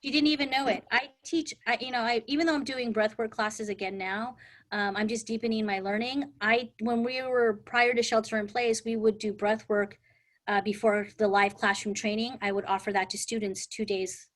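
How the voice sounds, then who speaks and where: Chatty higher-voiced woman instructor. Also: steady tone, normal speed. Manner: chatty, storytelling, frequent "right?" and "like". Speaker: insurance exam prep instructor. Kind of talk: casual live class teaching. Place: online live class.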